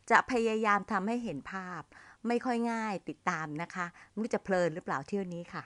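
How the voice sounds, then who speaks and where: A woman's voice: medium pitch, a bit bright, no room sound. Friendly Thai woman giving a spoken lesson. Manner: friendly, addresses listeners as younger siblings, slows to model English phrases. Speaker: MC trainer teaching younger listeners.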